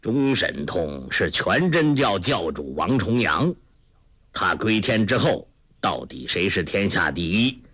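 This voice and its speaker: A man voicing a gruff old beggar master. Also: big pitch swings, takes it slowly, a bit bright, dry recording, clean studio sound, full character voice. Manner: low, gruff, chuckling.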